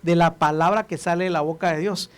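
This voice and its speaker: A woman's voice: fairly low pitch, steady tone, fairly quick, smooth. A woman preacher giving a sermon, asking questions and answering them herself. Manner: calls the listeners brother, asks and answers questions.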